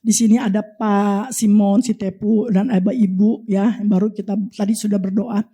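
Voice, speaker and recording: A woman with an Indonesian accent preaching an animated sermon, telling testimonies and prophesying over the congregation. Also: medium pitch, normal speed, slightly rough. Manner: animated, repeatedly addressing the congregation.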